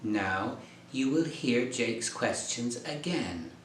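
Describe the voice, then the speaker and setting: A male English tutor gives scripted lesson instructions in a slow, deliberate, clear delivery. His voice sits at a middle pitch, and the room has a noticeable echo with a faint hum underneath. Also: animated. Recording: echoey room.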